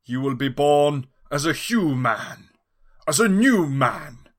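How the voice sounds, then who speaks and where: A man voicing a pompous, nerdy mad scientist man who speaks in slow, grandiose proclamations. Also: fairly high pitch, very animated, voice pushed up, heavily acted. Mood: triumphant.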